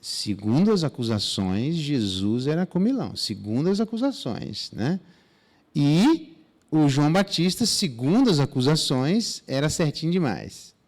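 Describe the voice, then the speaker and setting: A Brazilian pastor teaches through a Bible passage in his church. His pitch swings up and down as he talks, and he slips into slangy asides and acts out little dialogues. The delivery is casual and conversational, not a formal sermon. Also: very animated, unhurried, darkish tone. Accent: Brazilian Portuguese.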